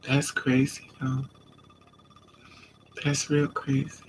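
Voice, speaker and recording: A man's voice: medium pitch, slow pace, a little hiss or hum, poor audio. A man with a stuffy nose from a coming cold, chatting casually on a live stream and answering viewers' comments. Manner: relaxed, chatty, talks back to commenters.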